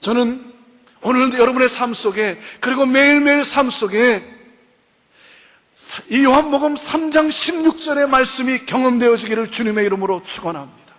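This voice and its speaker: A woman's voice: high-pitched, a bit bright. A woman giving a preaching lecture at a Christian seminar, emphatic, repeating key phrases and asking rhetorical questions. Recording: long reverb from a hall.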